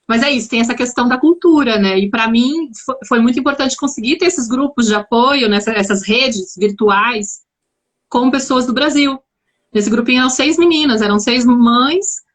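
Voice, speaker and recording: A woman from Brazil with a São Paulo accent, chatting reflectively in a casual live-stream conversation. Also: fairly high pitch. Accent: Brazilian Portuguese, São Paulo. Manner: reflective, chatty, many restarts. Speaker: guest.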